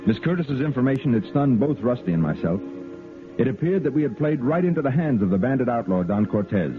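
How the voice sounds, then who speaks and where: A man's voice: mid-range voice, sing-song, fairly quick, soft background music, lightly acted. A man playing a firm adult cavalry lieutenant who also narrates a 1950s radio drama. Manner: firm, commanding. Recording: tinny 1950s radio broadcast.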